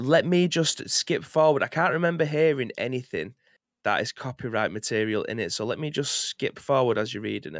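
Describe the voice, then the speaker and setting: A man's fairly high voice with vocal fry and lively intonation at a fairly quick pace, in a dry, close sound with no echo. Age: 30s. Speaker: video game podcast co-host. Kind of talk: casual chat. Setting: remote call over Discord.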